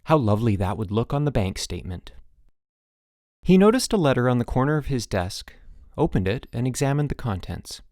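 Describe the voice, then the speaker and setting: A man's voice: medium pitch, very animated, brisk, a little mellow, no room sound. Man narrating an audiobook in a dry room. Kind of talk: scripted storybook narration.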